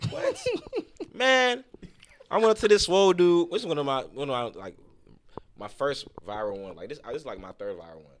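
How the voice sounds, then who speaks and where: A man with a deep voice, a podcast guest talking in a laid-back, slangy way. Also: sing-song, normal speed. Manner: laid-back, slangy, fills with "you know what I'm saying". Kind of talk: casual chat.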